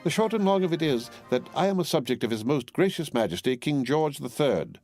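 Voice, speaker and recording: A man doing brisk bossy Miss Pross. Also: medium pitch, animated, a little mellow, soft background music, pitched above the performer's own voice, natural voice. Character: fussy fiercely loyal middle-aged woman servant.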